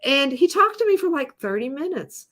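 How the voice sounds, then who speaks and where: A woman's voice: high-pitched, big pitch swings, moderate pace, a bit bright. A middle-aged woman, a guest on a video call, telling stories in a rambling, casual way. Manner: rambling storyteller with many fillers and restarts. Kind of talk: casual interview chat.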